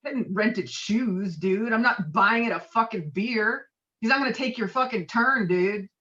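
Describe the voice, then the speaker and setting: A woman's voice: medium pitch, normal speed, a bit bright, dull audio, lightly acted. A woman acting a belligerent, rule-obsessed middle-aged male bowler in a script read, emphatic, self-righteous and foul-mouthed. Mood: irritated, insistent. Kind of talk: acted table read of a film script.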